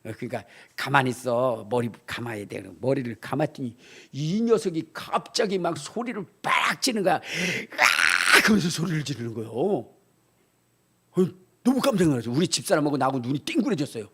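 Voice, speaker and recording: An older male pastor preaching a sermon, telling a homely story and then building up to shouted appeals. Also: fairly high pitch, a little fast, husky. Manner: animated, swings from quiet storytelling to shouting.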